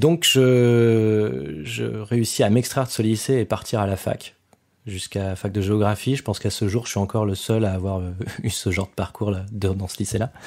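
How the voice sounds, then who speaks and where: A man's fairly low voice with ordinary pitch variation at a moderate pace. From France, Auvergne (Clermont-Ferrand). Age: 30s. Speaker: photographer. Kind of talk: personal monologue interview. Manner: halting, many hesitations.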